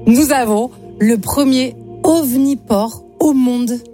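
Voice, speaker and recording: A woman's voice: on the high side, slow pace, mellow, faint music behind. A woman co-hosting a radio show, speaking in a poised, slightly formal way. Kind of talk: casual chat.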